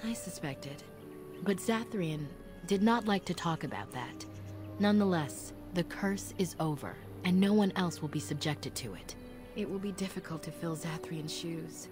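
Woman acting a solemn low-voiced elf clan keeper. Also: close to an everyday voice. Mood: solemn, mournful. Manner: measured, formal, grave. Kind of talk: fantasy video game voice acting. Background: game music.

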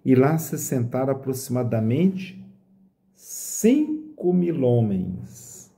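A middle-aged man from Brazil, a priest, reading scripture aloud and explaining it in a slow, reflective way, often asking "né?". He speaks into a phone camera held close in a small indoor room. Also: medium pitch, creaky, warm tone, slight background noise. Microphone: phone camera at close range.

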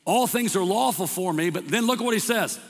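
A man preaching a sermon as pastor, emphatic, repeating words and slowing down to stress scripture. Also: high voice, animated. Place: church sanctuary. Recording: long hall reverb.

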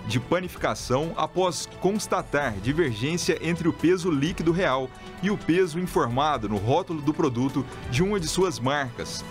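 A man from Brazil reading scripted local news as a radio presenter, in a steady announcer delivery. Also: fairly high pitch, normal speed, hardly any pauses, faint music behind.

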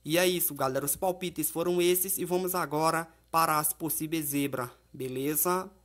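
A man's voice: a little high, steady tone, normal speed, fairly bright tone. A Brazilian man presenting casual football betting commentary as a tipster, talking to viewers in a familiar, colloquial way. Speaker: sports betting tipster and host.

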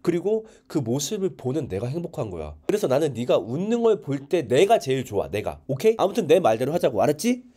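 A man's voice: a little high, sing-song, fairly quick, few pauses, dark tone, husky. A man doing an earnest older brother. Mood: tender. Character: loving, protective older brother, young man.

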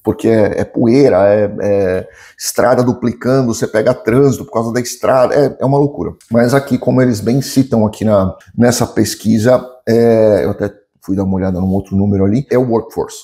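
A man's voice: fairly low pitch, brisk, few pauses, warm tone. A man in his forties with a Brazilian accent, giving opinionated, conversational commentary to camera with emphatic repetition. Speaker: lawyer and business commentator. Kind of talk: informal explanatory commentary to camera. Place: home office or study with bookshelves, indoors.

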